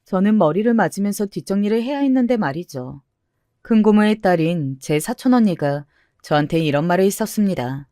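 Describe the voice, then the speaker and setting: A woman's voice: mid-range voice, expressive, a little fast, mellow, no echo, clean studio sound. A woman narrating a first-person story in a confessional, storybook reading style.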